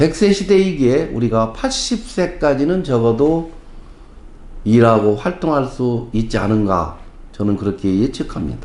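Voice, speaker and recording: A man with a medium pitch speaks fairly slowly, his pitch swinging very widely. Room echo and background noise are both noticeable. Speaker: retiree lecturer. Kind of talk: lecture.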